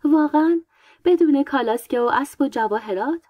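A woman reading a story aloud, voicing a proud, vain young queen in a lightly brighter tone. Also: high-pitched, dry recording, muffled recording, lightly acted. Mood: playful. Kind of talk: audiobook character voice.

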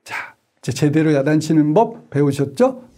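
A man's voice: on the high side, animated, normal speed, dark tone. A middle-aged man teaching parents in a lecture, asking them questions and acting out everyday examples. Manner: asks the audience questions and acts out examples.

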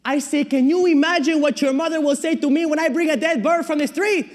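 A man playing a Latino immigrant father in a stage monologue, nervously cheerful, with a Latin American Spanish accent and halting broken English. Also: very high voice, fairly even intonation. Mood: animated, fond. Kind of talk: dramatic monologue performed on stage. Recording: reverberant hall at a speech tournament.

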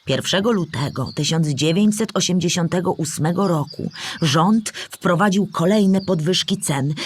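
A woman's voice: lowish voice, slight background noise, close to an everyday voice. Patient storyteller woman acting explaining history. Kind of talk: scripted narration for a children's audio play.

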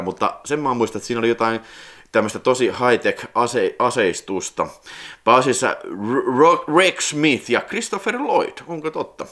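A man in his forties hosting a casual unboxing vlog, rambling with nostalgia and breaking into excited squealing exclamations. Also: mid-range voice. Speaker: video collector channel host.

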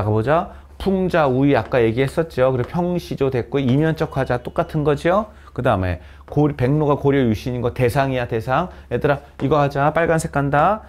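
A man's voice: medium pitch, lively intonation, normal speed, a little mellow. A man teaching a class of students, often asking them questions and then answering himself. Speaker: Korean literature teacher. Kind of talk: classroom lecture. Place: cram school classroom with students present.

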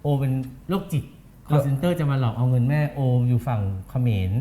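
A woman's voice: very deep voice, moderate pace, warm tone, slight background noise. A trans woman co-hosting a casual chat show, talking bluntly with crude banter and acting out phone calls. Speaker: co-host.

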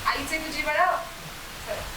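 A woman acting an affectionate motherly aunt who coaxes warmly. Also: sits high, measured pace, echoey room, far from the mic, very noisy. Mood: coaxing.

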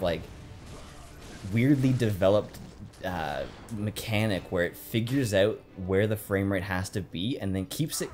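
Male let's-play host, deep-ish voice, animated, joky and profane. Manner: rambling, swears, self-deprecating jokes. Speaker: gameplay commentator. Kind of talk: casual let's-play banter.

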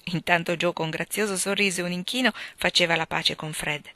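Brief: expressive female audiobook narrator, slightly low voice. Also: brisk, no echo. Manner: clear, expressive reading. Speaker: audiobook reader. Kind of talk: scripted narration.

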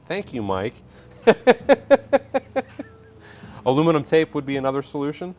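A man's voice: medium pitch, lively intonation, a little slow, darkish tone. A middle-aged man hosting a live building stream, chatting casually, reading viewer comments and laughing easily. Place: indoor workshop room.

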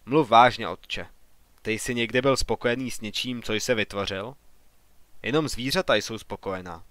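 A man's voice: on the low side, a bit bright, no echo, close to an everyday voice. A man voicing an ambitious young man who argues earnestly and with growing irritation in an audiobook. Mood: earnest, heated. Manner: earnest, argumentative.

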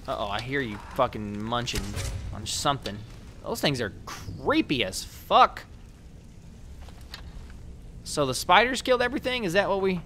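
A lively man with a bright, forward voice rambles through gameplay, swearing freely and talking straight at the characters on screen. His pitch jumps around a lot, and a faint hiss of noise sits under the recording. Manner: profane, rambling, talks to the game. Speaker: let's play host. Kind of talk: casual gameplay commentary.

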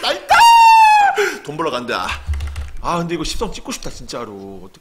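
A young man streaming a game, commenting casually and excitably, muttering one moment and yelling and cursing the next. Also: medium pitch, fairly quick, over loud music. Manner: excitable, swings from muttering to sudden yelling and swearing.

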